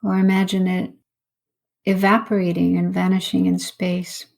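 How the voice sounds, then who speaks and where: A woman, a meditation teacher, leading a guided meditation in an unhurried, instructional way with long pauses. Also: on the low side, monotone, vocal fry, darkish tone.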